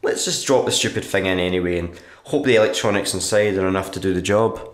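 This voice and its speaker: A man playing a sullen, sardonic writer narrating his diary in a black comedy radio play, dry and deadpan. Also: low voice, quick pace, close to an everyday voice. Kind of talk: dramatic monologue, diary narration in a black comedy audio drama. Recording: roomy echo with background noise.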